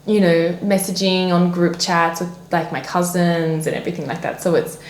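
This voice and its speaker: In a lowish, level voice at normal speed, a young French native speaker from France chats casually during a podcast interview. Her speech is full of fillers and restarts, and the room echoes.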